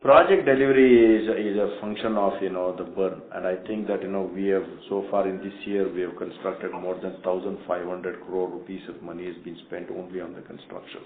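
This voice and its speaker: A man's voice: sits low, fairly even intonation, a little fast, hardly any pauses. A man answering as a company executive, rambling and correcting himself as he goes. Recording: echoey phone line with faint noise.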